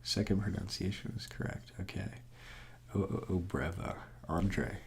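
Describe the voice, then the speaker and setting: A young man in his twenties, hoarse from just waking up, chatting in a drowsy, low-key way as he studies at home. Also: normal speed, slight background noise. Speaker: student vlogger. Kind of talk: casual study vlog chat. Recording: keyboard clicks and typing behind.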